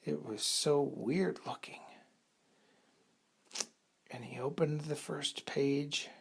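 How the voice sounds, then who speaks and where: Slow, husky man telling a bedtime story. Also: fairly high pitch, fairly even intonation, a bit bright. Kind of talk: improvised bedtime storytelling to children.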